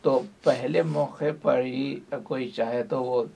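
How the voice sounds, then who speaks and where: Husky, gravelly male student. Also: medium pitch, steady tone, dark tone. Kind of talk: classroom questions.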